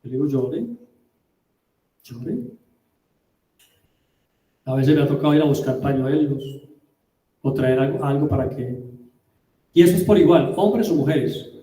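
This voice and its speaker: A man preaching a sermon as a pastor, emphatic, with rhetorical questions and drawn-out words. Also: medium pitch, warm tone. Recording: roomy, distant mic.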